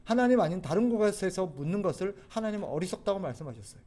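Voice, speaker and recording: A male pastor with a high, bright-sounding voice delivers a sermon. He speaks earnestly and exhorts his congregation, at times pleading with them urgently. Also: expressive, fast talker. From South Korea.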